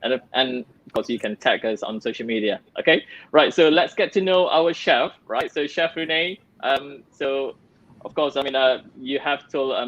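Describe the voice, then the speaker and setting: A man's voice: medium pitch, muffled recording. A man hosting an online cooking show, upbeat and rambling with fillers. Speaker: host.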